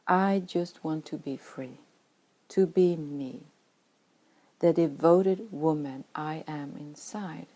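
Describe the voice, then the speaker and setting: A woman's voice: sits low, takes it slowly, mellow. A middle-aged Swedish woman with a Swedish accent, whose first language is Swedish, reading her own spiritual memoir in an earnest, reflective way. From Sweden. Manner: earnest, reflective, at times dropping to a whisper.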